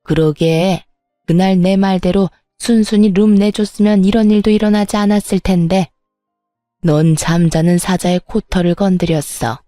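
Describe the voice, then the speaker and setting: A woman's voice: fairly low pitch, mellow, dry recording, clean studio sound, lightly acted. Woman playing a spiteful scheming mother-in-law. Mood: gloating. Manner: mocking, then falsely wailing.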